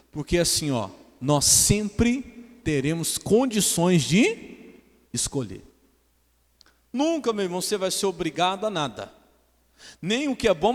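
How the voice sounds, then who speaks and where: Animated Brazilian pastor preaching in a hall. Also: male voice, high voice. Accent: Brazilian Portuguese. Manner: animated, joking asides then earnest preaching. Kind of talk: sermon. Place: church hall.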